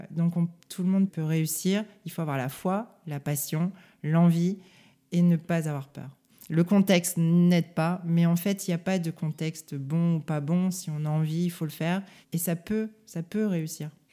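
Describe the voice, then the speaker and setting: Fairly even intonation and a fairly slow pace shape this woman's speech. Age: 40s. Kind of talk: interview.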